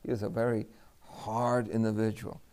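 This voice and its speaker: A man from Puerto Rico preaching a sermon, telling a lively personal story and acting out the dialogue. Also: fairly low pitch, normal speed, creaky, clear, resonant tone.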